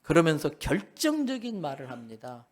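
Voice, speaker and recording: A middle-aged man preaching from the pulpit, his voice sitting high for a man. He drives his points home with emphasis and slips into little acted-out voices for the people in his stories. The delivery has the steady push of a Sunday sermon. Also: moderate pace. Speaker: pastor.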